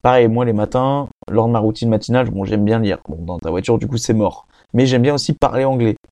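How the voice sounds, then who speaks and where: A man's voice: medium pitch, fairly quick, dark tone, no room sound. A young man hosting a casual self-help monologue, talking in a rambling, slangy way with many restarts. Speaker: podcast host.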